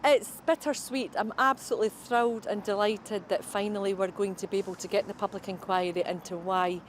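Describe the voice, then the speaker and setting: A woman's voice: mid-range voice, steady tone, a little fast. A woman giving an interview statement as a campaign leader. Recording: outdoor traffic noise.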